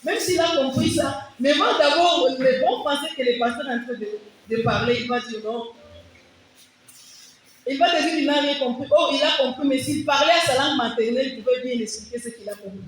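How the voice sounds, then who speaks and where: A woman whose first language is Kiwari defends her thesis, her very high voice explaining earnestly and restarting phrases as she searches for words. She is picked up from a distance in a large hall with heavy echo and a faint hiss beneath. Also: brisk. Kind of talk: answering examiners' questions. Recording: echoey hall, distant mic, faint noise.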